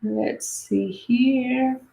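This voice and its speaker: A woman in her thirties hosting a casual livestream, chatting and reading viewer comments, her voice going raspy. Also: fairly high pitch, fairly even intonation, very slow, warm tone. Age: 30s. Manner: chatty, reads viewer comments, many fillers. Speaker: livestream host answering money questions. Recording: roomy echo.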